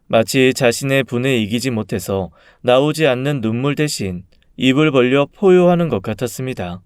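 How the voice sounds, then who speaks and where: Guy reading a story in first person, calm and low-key, smooth clear voice, dry close mic. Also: moderate pace, no room sound. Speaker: story reader.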